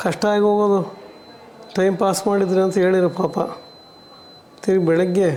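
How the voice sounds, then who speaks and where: A man with a high pitch, a flat monotone delivery and very even loudness. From Karnataka, Tumkur area; Karnataka. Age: 60s. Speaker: patient, retired postmaster and organic farmer. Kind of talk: patient testimony. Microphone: lapel.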